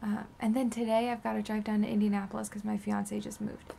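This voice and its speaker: Brief: worn-out twenties woman, heavy vocal fry, raspy sore throat, rambling vlog update. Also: mid-range voice, level tone, brisk, a little hiss or hum. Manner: rambling, drifting into soft whispers. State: tired and sore after surgery. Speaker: beauty vlogger. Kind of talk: casual post-surgery update vlog.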